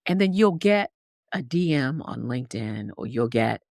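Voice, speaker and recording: A woman's voice: extremely low pitch, big pitch swings, moderate pace, vocal fry, a little mellow, dry recording, clean studio sound. A woman guest telling a story in conversation, acting out characters with big swings in voice. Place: Harlem upbringing.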